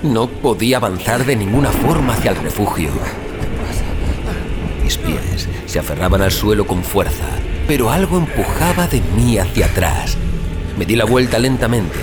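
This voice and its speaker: A man acts out a weary, frightened male explorer in a dramatic audio fiction. His low voice moves with lively, sweeping intonation through literary, suspenseful first-person storytelling. Prominent music plays behind him. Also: normal speed. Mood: horrified. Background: music bed.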